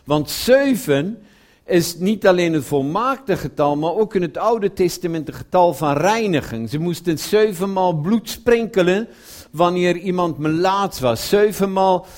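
Expressive and unhurried, with a slightly mellow voice, this preacher recounts a Bible story in his sermon. He asks his listeners questions and sinks into a low murmur for the quoted passages.

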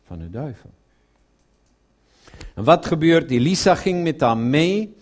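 With big pitch swings and a measured pace, a man preaches a sermon retelling a Bible story. He lowers his voice to a murmur for quoted lines and poses questions to the people listening.

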